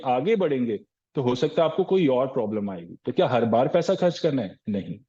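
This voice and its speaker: Male sales trainer at a live session: quizzes his listeners and answers himself, calls them "sir", low-fidelity recording. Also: mellow, highs cut off. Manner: asks rhetorical questions and answers them, often says "sir".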